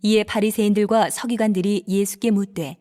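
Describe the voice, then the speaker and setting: Casting: woman narrator, middle pitch, steady formal scripture reading. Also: brisk.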